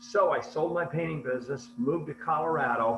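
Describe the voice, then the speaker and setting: Noticeable background noise sits behind a voice with an American accent talking at a moderate pace. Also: man. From US Midwest, small-town Iowa. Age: 60s. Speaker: real estate investor and speaker. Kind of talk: seminar talk. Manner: casual, storytelling.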